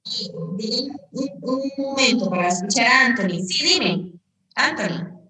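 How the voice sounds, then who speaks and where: A woman's voice: a little high, animated, measured pace, bright, forceful tone. A female English teacher, patiently explaining a lesson and quizzing her class. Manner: patient, repeats and asks the class questions. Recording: echoey room, distant mic.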